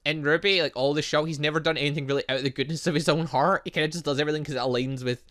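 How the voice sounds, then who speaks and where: A man's voice: fairly high pitch, fairly even intonation, racing, fairly bright tone. A man playing through a story game, reading its dialogue aloud with casual asides and often stumbling and correcting himself. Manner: stumbles over words when reading, self-correcting. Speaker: gaming video host.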